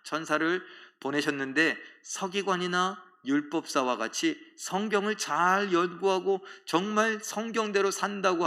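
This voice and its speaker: Male pastor, preaching, high voice, lots of rhetorical questions, slips into character voices. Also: bright, forceful tone. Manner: asks the congregation rhetorical questions; acts out biblical characters in dialogue. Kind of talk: sermon at a Friday prayer service.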